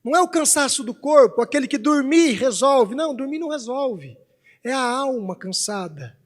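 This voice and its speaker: A man at a congress stage, giving a heartfelt lecture built on a personal story, sometimes hushed and sometimes loud. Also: extremely high pitch, lively intonation, moderate pace. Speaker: speaker at a Spiritist congress. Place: conference hall stage.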